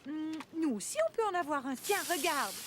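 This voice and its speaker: An actress voicing a gentle, inventive cartoon mother who encourages her child. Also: high voice, big pitch swings, fairly quick, slight background noise. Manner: soft, encouraging.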